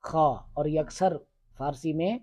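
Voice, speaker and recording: A male teacher giving a classroom grammar lesson, drilling his students with quick questions and repetitions. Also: fairly high pitch, darkish tone.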